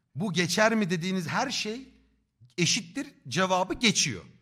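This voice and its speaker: Lively and animated, the man talks at a moderate speed. Nothing can be heard behind him in this very clean recording. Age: 30s. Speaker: Twitch streamer. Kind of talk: casual chat.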